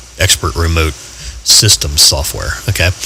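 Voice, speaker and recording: The speaker talks at a fairly slow pace with lively intonation over noticeable background noise. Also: man. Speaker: amateur radio software tutorial host. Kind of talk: tutorial.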